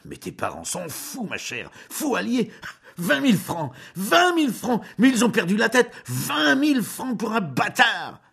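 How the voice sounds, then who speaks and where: A man voicing an angry, greedy young husband who shouts indignantly in an audiobook. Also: fairly low pitch, sing-song, normal speed, gravelly, husky, heavily acted. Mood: furious shouting.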